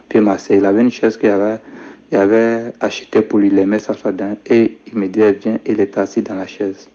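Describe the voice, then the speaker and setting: A young man telling a personal testimony in a soft-spoken way, dropping his voice low when he quotes his grandfather. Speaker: storyteller recounting his life. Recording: dull lo-fi recording.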